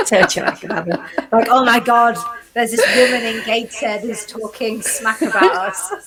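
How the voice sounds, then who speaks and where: With noticeable background noise behind her, a woman talks in a fairly high voice and fairly even intonation. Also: moderate pace. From North East England (Geordie, Tyneside). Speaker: author and business coach. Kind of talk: casual interview chat. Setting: Facebook Live video call.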